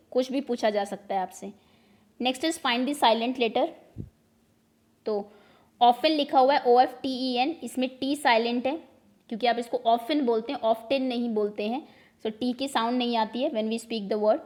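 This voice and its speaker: A woman teacher with an Indian accent going over exam revision questions, explaining in Hindi and mixing in English words and sentences. She reads each question out slowly, then explains it at a quicker pace. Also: a little high, darkish tone.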